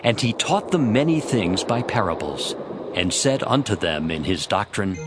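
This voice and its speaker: A man's voice: on the low side, very animated, moderate pace. A man narrating a scripted, dramatized scripture reading. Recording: faint music behind the voice. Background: music.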